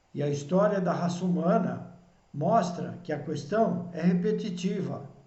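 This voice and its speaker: A man with a high pitch speaks at a fairly slow pace. Audible room echo surrounds his voice. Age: 60s. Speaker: spiritual teacher and commentator. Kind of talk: political commentary monologue.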